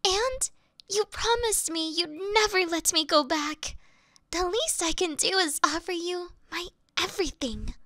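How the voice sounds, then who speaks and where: A woman's voice: very high voice, a little slow, no room sound, clean studio sound, full character voice. Woman voicing a flirty, fanatically devoted demon servant. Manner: soft, adoring, sweetly fanatical. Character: devoted flirty yandere female demon familiar. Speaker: voice actress in audio roleplay. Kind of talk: scripted audio roleplay.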